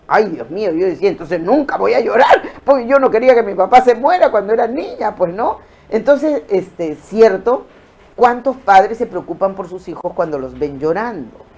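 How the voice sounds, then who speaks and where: A woman giving an expressive motivational talk on emotions and the brain, speaking straight to viewers and acting out quoted voices. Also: medium pitch.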